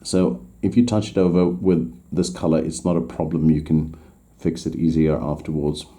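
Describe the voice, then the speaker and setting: Speaking in English with Swedish as his first language, this man walks through a miniature painting tutorial in an extremely low, mellow voice. His delivery is flat and his speed normal, and he hesitates, pausing to fix his words and starting over while he paints.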